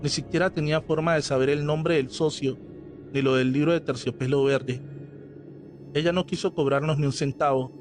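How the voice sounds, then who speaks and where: A man reading a scripted horror story aloud as narrator, in a slow, measured storytelling manner. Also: a little high, fairly even intonation. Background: faint background music.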